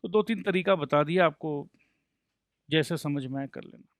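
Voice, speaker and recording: In a recorded accountancy lecture, a man teaches playfully, mixing Hindi and English, joking to explain points, and answering his own questions as if he were a student. His voice is fairly high and at normal speed. The recording is dry, with clean studio sound.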